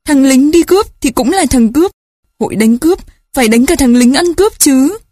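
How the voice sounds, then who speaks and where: Storybook peasant boy, hot-tempered and plucky, read by a woman, a soft, mellow, slightly husky voice pitched up. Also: moderate pace, no echo, clean studio sound. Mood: indignant. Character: brave indignant peasant boy, older brother.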